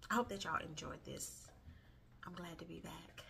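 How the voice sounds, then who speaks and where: Over light background noise, a woman with a fairly low pitch, vocal fry and a bright, sharp tone talks at a fairly quick pace. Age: 40s. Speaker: lifestyle vlogger. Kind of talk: grocery haul vlog, casual monologue. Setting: at home. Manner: casual, chatty. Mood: warm, chatty. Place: kitchen. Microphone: phone near.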